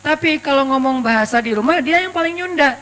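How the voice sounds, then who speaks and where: A man from Aceh giving a casual, lively sermon, telling stories with humor and quoting Arabic verses. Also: very high-pitched, a little fast. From Aceh, Indonesia. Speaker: preacher. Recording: long reverb with mains hum.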